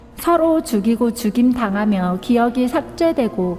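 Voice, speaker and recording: Over music in the background, a woman with a fairly high pitch speaks at a fairly slow pace with lively intonation. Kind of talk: game lore story narration.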